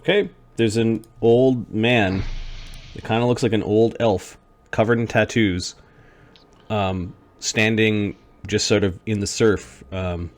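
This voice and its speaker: A man improvising narration as a tabletop game master, feeling his way haltingly through descriptions. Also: lowish voice, steady tone.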